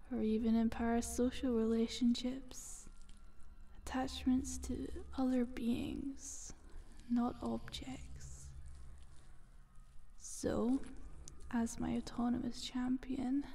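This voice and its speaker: Woman as a breathy, whispering, slow eldritch monster. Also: on the high side, dark tone, exaggerated voice. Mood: coaxing, calm. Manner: slow, deliberate, coaxing. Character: calm, condescending female eldritch monster, playfully ominous. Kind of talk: whispered ASMR roleplay monologue.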